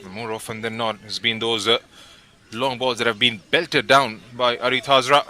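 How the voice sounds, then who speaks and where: A man giving live play-by-play football commentary, calling names and passes in steady, measured phrases. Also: medium pitch, slight background noise. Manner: steady, measured calls with brief pauses between names.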